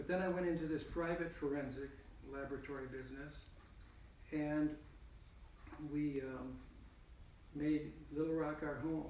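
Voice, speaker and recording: A speaker with an American accent talks at a moderate pace in a flat monotone, with long, frequent pauses. Audible room echo fills the recording. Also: man, fairly high pitch for a man. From Michigan. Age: 70s. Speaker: retired forensic lab director, person with Parkinson's. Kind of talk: interview. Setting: in a home.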